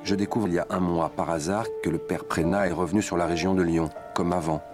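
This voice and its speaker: An actor playing a troubled middle-aged father of five, speaking in a measured, sober film trailer voice-over. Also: low-pitched, steady tone, over music, lightly acted. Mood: grave.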